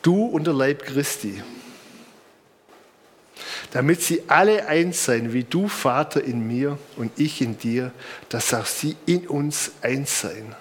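A man's voice: medium pitch, slow pace, slight background noise. A middle-aged man with a southern German accent preaching informally, with conversational anecdotes and emphatic repetition. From Bamberg, Germany. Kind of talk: sermon with personal anecdotes.

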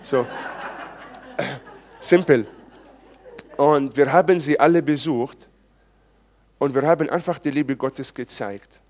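A man's voice: medium pitch, slow pace, pauses often, a little mellow, some chatter behind. A man preaching in church in a conversational way, asking the congregation questions. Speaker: pastor. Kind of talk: sermon. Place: church service.

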